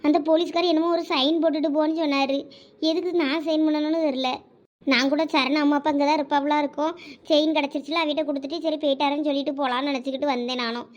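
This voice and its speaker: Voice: sits high, fairly even intonation, fast, highs cut off, natural voice. A voice actor playing an anxious teenage college girl in a cartoon, speaking Tamil with a Thoothukudi accent, pleading and nervous. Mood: chatty. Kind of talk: cartoon voice acting.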